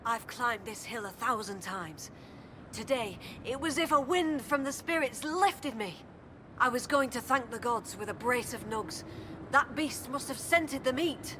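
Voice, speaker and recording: A woman's voice: fairly high pitch, a little slow, close to an everyday voice. A woman playing a hearty, devout tribal huntress in a video game, forthright and earnest like a storyteller. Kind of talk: video game dialogue acting. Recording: clear background noise of game ambience.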